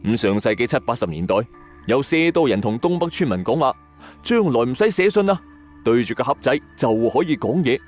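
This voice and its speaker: A man's voice: medium pitch, sing-song, a little fast. A man with a Hong Kong Cantonese accent narrating a scripted story in a dramatic, conversational and suspenseful storyteller's manner. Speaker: storytelling podcast host. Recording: music under the voice. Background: background music.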